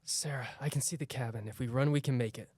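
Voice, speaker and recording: A man's voice: mid-range voice, fairly even intonation, quick pace, darkish tone, slightly rough, dry recording, lightly acted. A man playing an urgent, protective boyfriend on the run in an amateur radio play. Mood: urgent reassurance.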